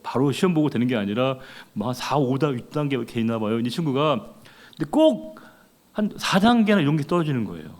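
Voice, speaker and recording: A man's voice: mid-range voice, animated, a little fast, a little mellow. A middle-aged man preaching a sermon as a pastor, talking conversationally and putting rhetorical questions to the congregation.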